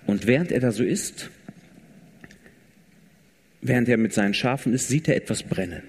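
A man's voice: medium pitch, normal speed, darkish tone, slightly rough. A man preaching a sermon in a casual, conversational way, retelling scripture dramatically. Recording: long reverb of a large hall. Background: congregation.

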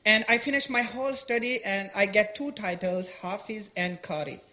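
A woman's voice: mid-range voice, normal speed, pushed and bright. A woman in her twenties from Pakistan with a Pakistani accent, giving a church testimony in simple, broken English full of fillers. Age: 20s. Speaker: guest speaker giving testimony.

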